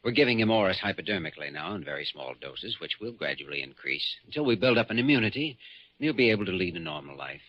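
Earnest young doctor, low husky voice, measured, dry wit, vintage radio drama, muffled recording. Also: male voice, very animated, dry recording. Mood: reassuring. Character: earnest, dryly witty younger male hospital doctor. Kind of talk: 1940s-50s radio drama acting.

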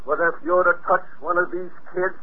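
A man's voice: high-pitched, level tone, moderate pace, husky. An actor playing a tough, righteous male space patrol officer in a 1950s radio drama, blunt and hard-boiled. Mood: stern, scolding. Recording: narrow, tinny vintage radio recording.

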